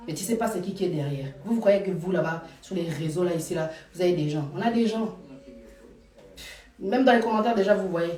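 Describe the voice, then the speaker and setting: A woman's voice: on the low side, brisk, dark tone, recorded from a distance. Woman live-streamer, casual emphatic chat, repeats for force, echoey room, off-mic. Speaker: live streamer addressing followers. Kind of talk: casual live chat, mixing French and Lingala. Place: Paris.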